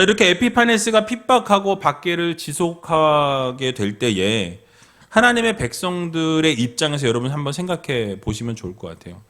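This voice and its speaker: Korean pastor preaching with lively pitch. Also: male voice. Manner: earnest, addresses congregation directly with rhetorical questions. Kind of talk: sermon.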